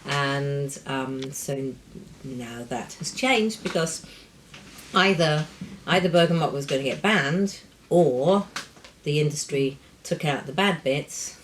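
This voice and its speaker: A middle-aged woman, a perfumer hosting a casual chat, explaining ingredients in a lively, chatty way with asides. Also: sits low, slow, slight background noise. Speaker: perfumer and show host.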